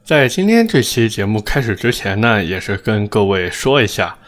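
A man's voice: lowish voice, big pitch swings, normal speed. A man hosting a car review show, speaking with slightly slurred, thick-tongued diction in a blunt, sarcastic, opinionated manner. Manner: blunt, sarcastic, rhetorical questions. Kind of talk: opinionated car commentary to audience.

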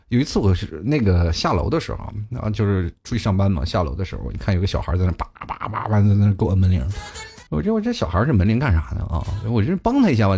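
Husky, animated comic. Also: male voice, fairly low pitch. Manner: animated, chatty, laughs at his own jokes. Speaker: talk show host. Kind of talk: comic storytelling monologue.

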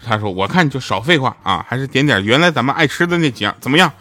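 A man's voice: mid-range voice, expressive, racing, sharp tone, a little hiss or hum. A man hosting a comedic podcast, joking and mocking himself, often laughing as he talks. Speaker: podcast host. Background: background music.

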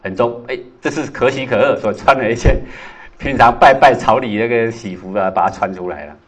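A man's voice: a little fast, husky. A man giving a lecture on classical texts, telling stories and asking listeners rhetorical questions. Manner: animated, acts out quoted lines with rising pitch and volume. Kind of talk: lecture with storytelling.

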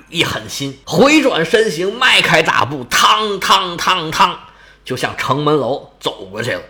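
A man whose voice is on the high side turns an epic into a lively, colloquial tale, playing it dramatically and playfully while switching into character voices.

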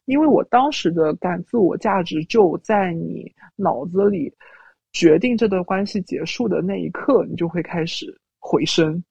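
A woman recounts a personal story as an interview guest, often quoting what she said. Her voice runs through a voice changer and sounds gravelly and husky. The audio is dry and dull, with a lo-fi feel. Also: lowish voice, animated, moderate pace, mellow, dry recording. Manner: recounts events, quoting her own words.

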